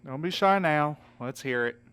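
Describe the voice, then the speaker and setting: Earnest male courier played by an actor, resonant and clear, casual and coaxing, for a fiction podcast. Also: on the high side, moderate pace, a bit bright, lightly acted. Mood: encouraging. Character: easygoing, encouraging male courier, earnest and folksy. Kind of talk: scripted audio drama acting.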